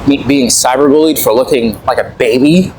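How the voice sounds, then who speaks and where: A man's voice: mid-range voice, normal speed, darkish tone. A young adult man giving a casual, rambling audio diary, hesitantly repeating words and trailing off, with a dry, self-deprecating manner. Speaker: vlogger recording an audio log. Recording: very noisy audio with clicks.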